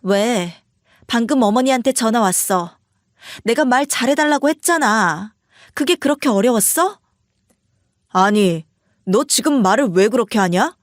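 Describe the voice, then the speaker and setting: A defensive storybook husband, curt and dismissive, voiced by a woman. The voice stays fairly high and close-miked. It sounds dry, with no room around it. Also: animated, a little slow, pauses often, dry recording. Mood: irritated. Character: irritated defensive husband, adult man.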